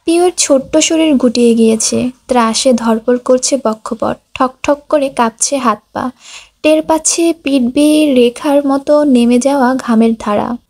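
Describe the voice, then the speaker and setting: A woman's voice: high-pitched, unhurried, a little mellow. A woman reading a romantic drama as scripted audiobook narration, voicing every character's lines in her own voice.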